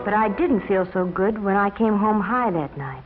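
A woman's voice: medium pitch, lively intonation, moderate pace, natural voice. An American woman playing a troubled young former addict, narrating her confession wearily in a 1950s educational film. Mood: wry, reflective. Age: young adult. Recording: muffled 1950s film soundtrack, music behind.

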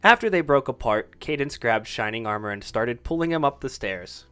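A man's voice: medium pitch, animated, moderate pace, pushed and bright, clear, resonant tone. A man narrating a romantic fan fiction story in a scripted, dramatic reading style.

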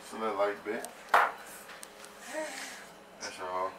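A young man talking casually as he cooks in a small home kitchen, relaxed and repeating "you know what I'm saying.". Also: on the low side, slow pace, heavy background noise. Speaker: vlogger cooking at home. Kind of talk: casual cooking vlog talk. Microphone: camera across the kitchen.

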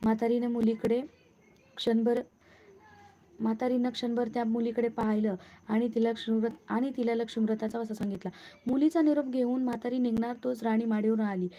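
Woman reading a devotional tale, flat. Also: on the high side, brisk. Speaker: storyteller. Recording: muffled lo-fi recording.

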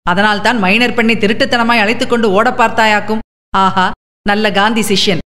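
A menacing older landlord villain, sneering and bossing his henchman around, as a woman narrator reads him. The voice stays at her ordinary mid pitch, with a long trailing reverb behind it. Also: steady tone, a little fast, sharp tone, close to an everyday voice. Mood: mocking. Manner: sneering, mocking, commanding.

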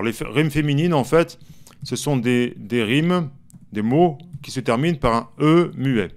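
French guy teaching songwriting, smooth clear voice, chatty and playful, drags words out to show stress. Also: medium pitch. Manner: chatty, playful, sings example lines slowly. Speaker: music teacher. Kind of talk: songwriting lesson at a whiteboard.

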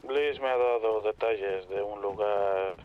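A man's voice: on the low side, a little slow. A man from talking in character in an online roleplay game. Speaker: gamer role-playing online. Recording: dull, noisy voice chat.

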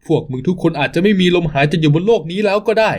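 A man's voice: sits high, expressive, fast talker, voice pushed up. A man playing a defiant young father. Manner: defiant, cursing back at captors. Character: defiant young man protecting his small son.

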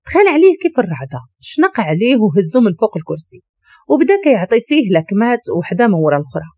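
A woman with a Moroccan Arabic accent narrates a dramatic story at a quick clip. Her voice is mellow and warm, and her pitch moves a lot as she reads. The recording is dry and close. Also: no room sound. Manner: brisk, expressive reading.

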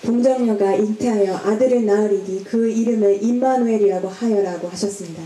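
Warm-voiced woman interpreting a homily. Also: mid-range voice, fairly quick. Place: church. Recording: echoey church hall.

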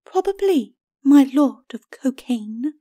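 A woman's voice: high voice, animated, takes it slowly, mellow, pitched above the performer's own voice. Woman voicing a scornful skeleton lady, faint and far off. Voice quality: faint, distant, breathy. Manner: scornful, icy retorts. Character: ghostly skeleton lady, cold and cutting.

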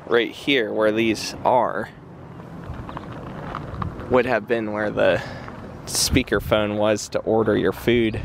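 Young guy vlogging outside, relaxed and guessing as he goes, traffic noise all around. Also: fairly low pitch, vocal fry. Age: young adult. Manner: relaxed, thinking aloud with guesses. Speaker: exploration vlogger. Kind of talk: casual walkthrough narration. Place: outdoors around an empty building. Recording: outdoor street and traffic noise. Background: passing cars and street ambience.

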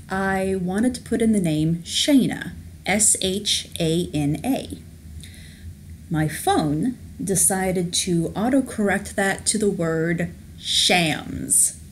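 At home at her laptop, a woman hosts a let's play of a story game, reading the text aloud and gushing about it. She's chatty, enthusiastic, and giggly, with some restarts, and her medium-pitched, expressive voice is slow, with slight background noise.

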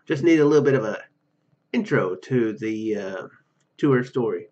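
A young video game streamer does let's play commentary from a room at home, reading game text aloud in a hesitant, rambling way with trailing asides. His mid-range voice is a little mellow, with lively intonation at a normal speed. Game music plays under the dull, lo-fi mic sound.

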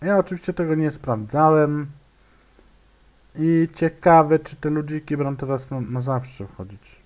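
A man's voice: fairly high pitch, measured pace. A man giving casual gameplay commentary, muttering to himself, hesitating and making clicking sounds as he plays. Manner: hesitant, many fillers and restarts.

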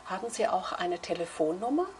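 A middle-aged woman examiner asking questions and giving clear, measured exam instructions. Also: lowish voice, lively intonation, slight background noise. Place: indoor room.

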